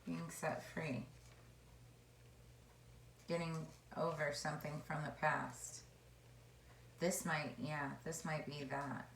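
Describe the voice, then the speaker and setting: A woman with a hoarse voice giving a casual tarot card reading, chatty and meandering as she muses aloud. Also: low-pitched, little pitch movement, slow pace, pauses often, slight background noise. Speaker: tarot reader. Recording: echoey room.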